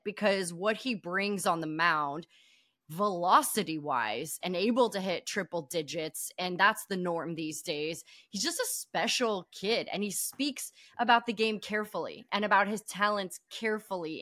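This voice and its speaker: A woman co-hosting a casual baseball podcast with a bright, tense edge to her voice, recorded close and dry. She talks in a thoughtful, measured way and checks in with the listener. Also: on the low side, no room sound. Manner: thoughtful, measured, asks "right?". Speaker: podcast co-host. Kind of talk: casual sports chat.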